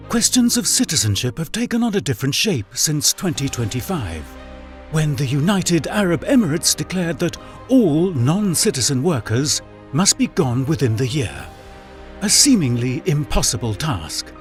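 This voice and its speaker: A man with a fairly high voice reads dramatic documentary narration with very varied intonation. Faint music sits behind him. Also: big pitch swings, normal speed. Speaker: voice-over artist.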